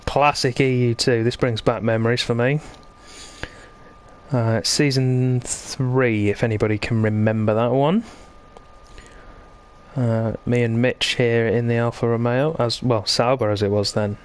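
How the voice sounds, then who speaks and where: A man's voice: mid-range voice, steady tone, measured pace, clean tone. A man hosting live esports racing commentary in a chatty, conversational way, bantering with his co-commentator. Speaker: sim racing commentator and host.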